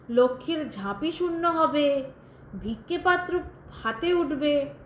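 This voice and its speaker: Woman playing sardonic widow, high voice, dramatic storytelling, pointed irony, audio drama, roomy echo. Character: bitter, sardonic widowed woman telling her tragic story. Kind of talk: Bengali audio drama acting. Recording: roomy echo, faint background noise.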